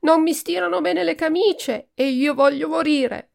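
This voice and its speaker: A woman's voice: normal speed, gravelly, a little mellow. A woman voicing a whiny, spoiled young duke who shrieks and wails over trifles, in a storybook reading. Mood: hysterical. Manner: shrill, wailing cries.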